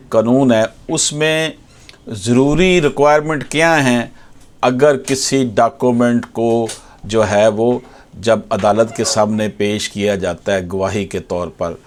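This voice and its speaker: A man with a Pakistani accent explains law to viewers like an advocate, formally, repeating key points and switching into slowly read English. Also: mid-range voice. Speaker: advocate presenting legal explainers. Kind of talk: explanatory legal lecture to viewers.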